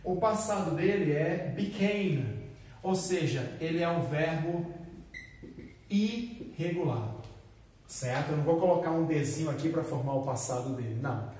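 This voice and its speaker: A man teaching an English lesson in a classroom, explaining slowly and repeating drill phrases. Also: a little high, a little mellow. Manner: switches between explaining and acted example exclamations, slow repeated drills. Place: classroom with whiteboard. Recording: echoey room, voice from a distance.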